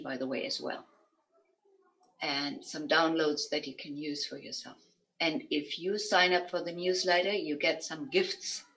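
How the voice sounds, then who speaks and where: A woman with a German accent tinged with American, guiding an online session and spelling things out slowly and carefully. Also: low voice, fairly bright tone, poor audio. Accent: German with some American. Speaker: energy-work teacher. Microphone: video call.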